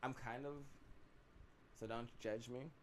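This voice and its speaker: A man's voice: medium pitch, steady tone, unhurried, slight background noise. Blunt, profane man hosting a podcast. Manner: blunt, profane, slightly tipsy. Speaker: podcast host. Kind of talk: casual group chat.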